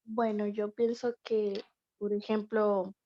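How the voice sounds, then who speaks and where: Student: young woman, flat and slow, hesitant, dull lo-fi video call audio. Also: mid-range voice. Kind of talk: answering in online class.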